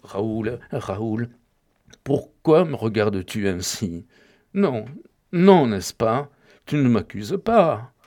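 A man reading aloud and voicing a desperate, tearful young woman who stammers and pleads, her voice climbing higher. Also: lively intonation, slow, a little mellow. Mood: pleading. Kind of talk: audiobook reading.

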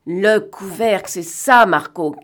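Woman voicing a sly gentleman thief for an audiobook: bantering, sardonic, quick commands, pitch sitting a bit low. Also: expressive. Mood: mocking. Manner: bantering, sardonic, brisk orders. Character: cunning gentleman thief, man, mocking and commanding. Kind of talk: audiobook reading.

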